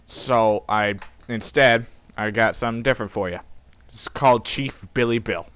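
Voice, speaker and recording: A man's voice: mid-range voice, moderate pace, a bit bright, smooth. A man narrating a comedic story in an informal, first-person storyteller style.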